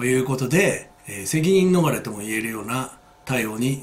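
A man talks with lively intonation at a medium pitch, keeping a moderate pace. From Kanagawa, Japan. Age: 50s. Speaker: YouTuber, amateur jogger; YouTuber. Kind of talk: casual vlog monologue. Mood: earnest, critical. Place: home room. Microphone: camera far.

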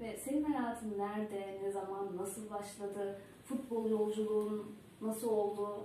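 A woman at a fairly high pitch, fairly slow, with audible room echo and light background noise. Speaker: sports show host. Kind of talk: interview. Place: office.

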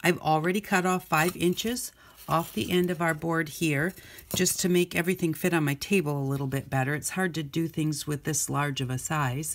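At a moderate pace, a woman talks with fairly low pitch and ordinary pitch variation in a plain, everyday voice. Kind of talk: tutorial. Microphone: phone near.

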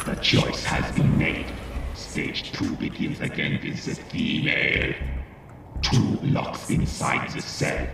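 Loud background noise and a strong echo surround a man talking at a fairly slow pace. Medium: audio drama. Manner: cold, clinical, commanding.

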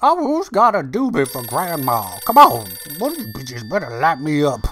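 In a put-on character voice at a middle pitch, the speaker moves at a moderate pace with very wide pitch swings and big swings in loudness, with music in the background. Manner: cranky, demanding.

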